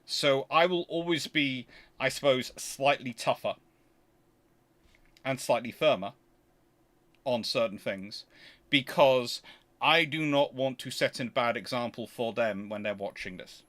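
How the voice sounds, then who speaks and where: A British man with a medium-pitched voice hosts a casual livestream, answering audience questions. He talks in a halting, rambling way, circling back to reword what he has just said. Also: fairly bright tone. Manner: rambling, halting, repeats and rephrases himself.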